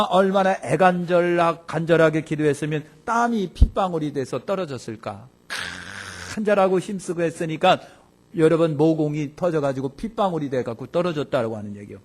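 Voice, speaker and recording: Korean pastor preaching with loud outbursts. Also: male voice. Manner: swings between loud exclamations and quiet asides; acts out quoted speech in a lower voice. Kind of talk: sermon.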